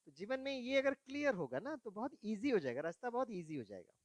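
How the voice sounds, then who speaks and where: Man, high voice, spiritual talk, storytelling, asks the audience questions, dry close sound. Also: sing-song, fairly quick, no room sound. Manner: mixes English words into Hindi. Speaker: spiritual speaker. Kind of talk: spiritual talk to young people.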